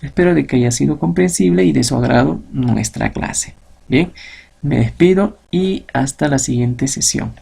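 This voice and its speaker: A man's voice: medium pitch, moderate pace, vocal fry, warm tone, slightly rough. A man teaching a recorded grammar lesson, explaining step by step and asking and answering his own questions.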